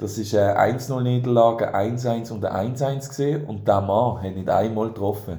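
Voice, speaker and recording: Heard with audible room echo, a man with a dark, mellow tone and a medium pitch talks with fairly even intonation, a somewhat breathy sound and hardly any pauses. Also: fairly slow pace. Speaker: podcast co-host. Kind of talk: casual chat.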